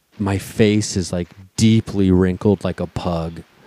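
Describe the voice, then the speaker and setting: A man's very deep, low voice with a dark, mellow tone, monotone and flat, in an American accent, the sound dry and close with no echo. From Dayton, Ohio, US Midwest. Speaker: stand-up comedian and podcast co-host. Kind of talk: casual chat. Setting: remote recording, remote call.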